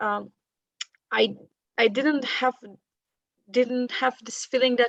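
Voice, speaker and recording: A woman speaks at a fairly high pitch and a fairly slow pace. Her intonation stays fairly even, and the sound is dry and close with no echo. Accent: non-native. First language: Polish. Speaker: course participant. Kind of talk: interview. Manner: halting, many fillers.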